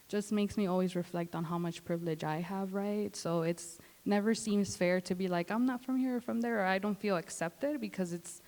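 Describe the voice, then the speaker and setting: A woman's voice: mid-range voice, darkish tone. A young woman from Los Angeles speaking reflectively on a panel, filling her speech with "like" and "you know". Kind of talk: casual panel talk. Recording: reverberant hall.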